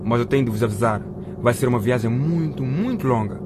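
A male actor as a cautious, steady man in a radio play. He explains things patiently, in a mid-pitched voice, with car noise clearly behind him. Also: a little fast, lightly acted. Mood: serious, reassuring. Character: calm, cautious man driving two boys home. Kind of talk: radio drama acting.

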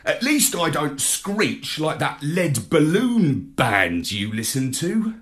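A storyteller voicing an eager, excitable space puppy who yaps and chatters. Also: medium pitch, slow. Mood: excited. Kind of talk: storybook read-aloud.

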